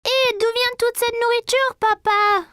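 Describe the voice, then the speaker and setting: A performer voicing a curious, excitable little boy with a childlike high voice in a French-dubbed children's cartoon. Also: a little slow, dry recording, full character voice. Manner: inquisitive, naive.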